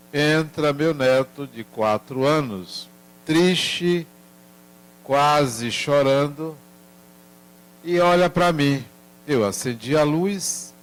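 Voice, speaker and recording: An older man giving a spiritist lecture, telling a family story in a gentle, measured way. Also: on the high side.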